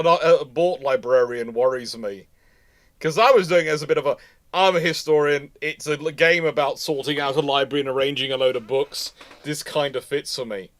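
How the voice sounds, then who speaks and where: A man hosting a live history stream in casual chat, with a halting, rambling way of talking that often repeats words. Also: a little high. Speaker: host of a live history question show; history lecturer.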